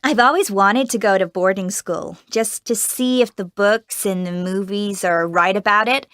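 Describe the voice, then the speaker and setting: A woman playing a cheerful American teenage girl actress in a scripted interview, chatty and quick to laugh, with an American accent. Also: mid-range voice, fairly bright tone, clean tone, dry recording, studio quality, close to an everyday voice. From United States. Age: teens. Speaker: young film actress being interviewed. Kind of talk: scripted exam-recording interview.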